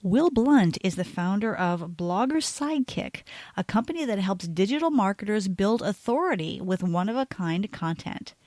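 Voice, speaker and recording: A woman's voice: mid-range voice, animated, darkish tone, dry recording, studio quality. A woman hosting a podcast, reading an intro and guest bio, then interviewing with frequent murmured backchannels. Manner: brisk, reads bios smoothly, many backchannel hums. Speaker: podcast host.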